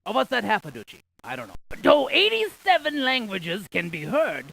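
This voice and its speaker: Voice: medium pitch, huge pitch swings, normal speed, vocal fry, fairly bright tone, exaggerated voice. An actor voicing a quirky, wisecracking scientist for a video game, with a jokey, theatrical delivery of trivia. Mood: quirky, wry. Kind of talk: cartoonish educational game voice acting.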